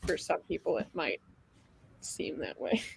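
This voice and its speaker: A woman speaks at a fairly slow pace with a slight Midwestern accent. The sound is dry and close, with no echo. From US Midwest. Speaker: stream co-host, friend of the show. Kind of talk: casual chat.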